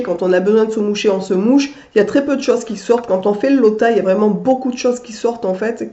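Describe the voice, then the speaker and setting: A woman's voice: fairly high pitch, mellow. Woman vlogger, stuffed-up cold voice, chatty and hesitant, roomy echo. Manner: chatty, many fillers and restarts. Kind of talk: casual chat to camera. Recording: echoey room, dull lo-fi sound.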